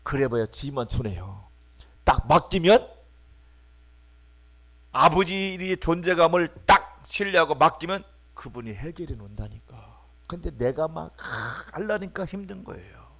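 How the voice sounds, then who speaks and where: A man's voice: a little high, very animated, unhurried, fairly bright tone, breathy edge. A man preaching a Sunday sermon as pastor, emphatic and prompting the congregation to answer back. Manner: emphatic, calls for congregation responses, acts out quoted voices. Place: church sanctuary.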